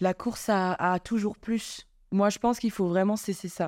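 A woman's medium-pitched voice with fairly even intonation, dry and close with no echo, on a very clean recording with a silent background. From Madagascar. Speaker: entrepreneur. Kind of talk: casual chat.

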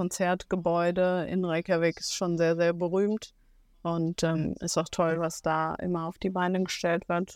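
Fairly slow and monotone, a woman's flat delivery is captured in a very clean recording with a silent background. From Germany, Frankfurt area. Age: 20s. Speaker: horse trainer. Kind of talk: casual interview.

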